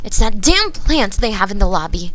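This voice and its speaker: A woman's voice: mid-range voice, sing-song, moderate pace, fairly bright tone, slight background noise. A woman voicing a grumbling, stubborn male office boss in a storybook reading, complaining and dismissive. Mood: pained, annoyed.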